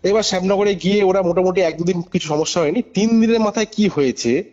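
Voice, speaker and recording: Speaking fast in a high, somewhat mellow voice, a man on the phone relates a paranormal case in lively, casual fashion. Music plays under the muffled call as he hammers home points with repetition and checks on his listener.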